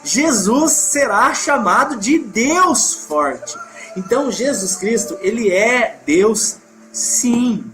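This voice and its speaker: A man with a Brazilian Portuguese accent leading a live Bible study, emphatic, reading scripture aloud and correcting himself as he goes. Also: sits high.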